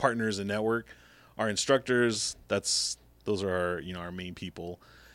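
A man with an American accent and a plain, everyday voice speaks fairly quickly at a fairly low pitch with fairly even intonation, on a very clean recording with a silent background. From Ventura County, California. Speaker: retired police officer and charity head. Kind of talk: interview.

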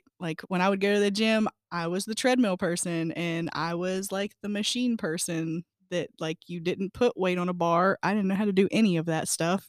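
In a plain, everyday voice, a woman talks at a moderate pace and medium pitch with fairly even intonation and hardly any pauses, recorded with a dry, close sound and no echo. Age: 30s. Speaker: gym member. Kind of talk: casual chat.

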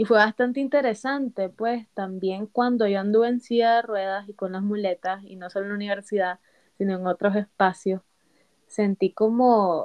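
A woman speaks at a medium pitch with fairly even intonation and a fairly slow pace. Her loudness swings widely, in an unremarkable speaking voice. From Nicaragua, Managua. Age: 20s. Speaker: youth activist. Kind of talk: interview.

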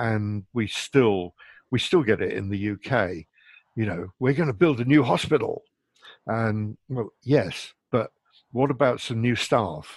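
Against a quiet background, with a dry, close sound and no echo, a man with a plain, everyday voice and medium pitch speaks at a fairly slow pace with ordinary pitch variation. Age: 60s. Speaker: retired paramedic. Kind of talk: interview. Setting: remote call.

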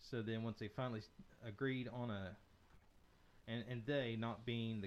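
Here a man with an American accent speaks at a moderate pace. His medium pitch follows fairly even intonation. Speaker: tech expert co-host. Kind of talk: casual chat. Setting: studio.

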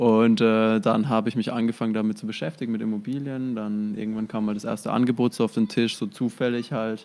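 A man at a fairly quick pace with hardly any pauses and monotone, flat intonation, on a very clean recording against a silent background. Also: medium pitch for a man. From Baden-Württemberg, near Heilbronn. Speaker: real estate investor. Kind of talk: interview.

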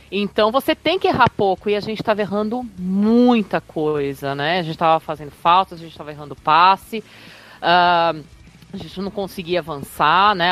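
A woman's medium-pitched voice with lively intonation at a moderate pace, dry and close with no echo, over music in the background. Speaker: sports podcast panelist. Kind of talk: casual chat.

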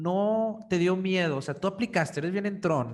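The speaker is a man. He talks at a moderate pace. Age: 30s. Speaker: podcast host. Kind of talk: interview.

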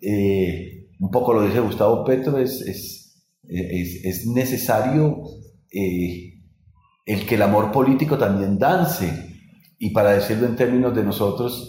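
Speaking slowly-ish in a fairly low pitch, a man has a somewhat breathy voice with a dark, mellow tone, and audible room echo is present. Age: 50s. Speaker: popular educator and former insurgent. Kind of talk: interview.

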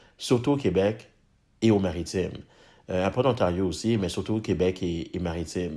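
With a very deep, low pitch and a dark, mellow tone, a man speaks at a moderate pace with ordinary pitch variation. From Quebec. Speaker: podcast co-host. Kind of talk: casual chat.

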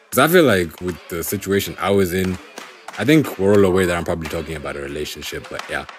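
A man's very deep, low voice, very fast and lively in intonation, over noticeable background noise. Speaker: podcast host. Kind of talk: casual solo podcast monologue. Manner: fast talker, chatty, casual.

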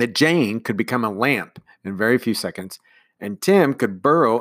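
With lively intonation, an unforced reading voice carries over a quiet background.

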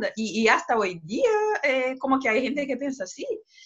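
A woman's lively intonation in a Brazilian accent. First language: Portuguese (speaking Spanish). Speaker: entrepreneur. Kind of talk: interview. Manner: halting, many fillers and repeats.

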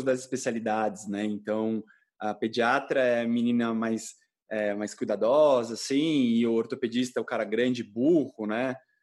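On a very clean recording with a silent background, a man talks at a moderate pace and medium pitch in an unremarkable speaking voice. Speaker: orthopedic surgeon, podcast host. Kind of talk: casual chat. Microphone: new podcaster microphone.

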